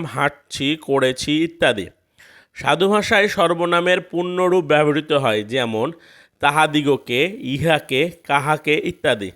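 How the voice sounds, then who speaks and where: A man's voice: on the high side, a bit bright. Man reading a grammar lesson. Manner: measured, reads word lists one by one. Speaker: grammar teacher. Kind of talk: scripted lesson narration.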